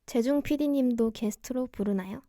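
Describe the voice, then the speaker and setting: A young woman hosting a cozy radio-style livestream chat, speaking in a soft, gentle, quiet way. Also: a little high, normal speed, no echo, clean studio sound. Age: young adult. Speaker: radio DJ host, idol singer livestreaming.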